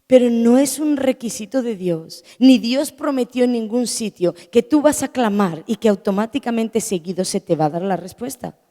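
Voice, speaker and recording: A woman pastor preaching a sermon with passion, moving between hushed and loud emphatic lines. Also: a little high, lively intonation, normal speed, few pauses. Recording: long echo of a church hall.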